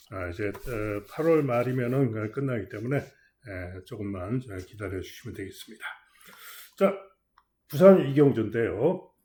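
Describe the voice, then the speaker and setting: On a very clean recording with a silent background, a man at medium pitch speaks fairly slowly in a somewhat breathy, dark, mellow tone, with lively intonation and big swings in loudness. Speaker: horse racing tipster. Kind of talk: race predictions broadcast. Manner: many filler sounds (어, 아, 에).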